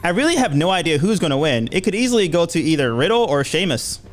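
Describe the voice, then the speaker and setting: A man with a high, very lively voice co-hosts a casual podcast, reading tweets aloud with playful emphasis. He laughs often between lines, and faint music plays behind him. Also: fast. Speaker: podcast co-host. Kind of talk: casual chat.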